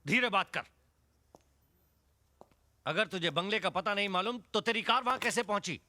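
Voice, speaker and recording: A man's voice: high-pitched, normal speed, pushed and bright. An actor playing a stern police inspector, commanding as he interrogates a suspect in a Hindi film scene.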